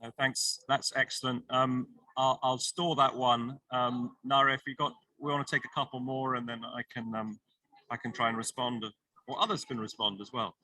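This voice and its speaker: A man's voice: mid-range voice, flat delivery, moderate pace, sharp tone, no echo, poor audio. A man moderating an online panel discussion, encouraging and thinking aloud as he goes. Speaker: session moderator.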